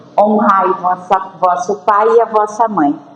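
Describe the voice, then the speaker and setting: Over noticeable background noise, a woman with a fairly high voice speaks at a very slow pace. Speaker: spiritist lecturer. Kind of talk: lecture. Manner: loud; animated. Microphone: no microphone.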